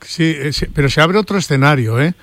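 A man's voice: on the high side, animated, a little fast, fairly bright tone, no echo. A man with an accent from Spain debating sport off the cuff, insistent and often repeating himself. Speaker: football pundit.

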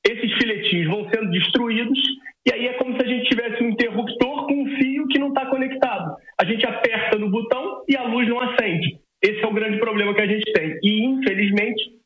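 A Brazilian ophthalmologist in his forties, appearing as a guest on a radio interview, explains things simply to a lay audience with everyday comparisons, adding "tá?" tags. His voice is very high-pitched and fairly quick, and the recording is muffled and roomy.

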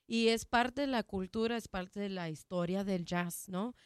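A woman's voice: mid-range voice, smooth, dry recording, studio quality. A woman whose first language is English, speaking Spanish in a casual interview about her jazz program, with frequent restarts and fillers. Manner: halting, many restarts and fillers.

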